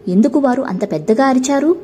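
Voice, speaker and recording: A woman's voice: high voice, expressive, brisk, dark tone, slight background noise, voice pushed up. A woman doing a polite young nephew. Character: young man back from abroad, polite and cheerful.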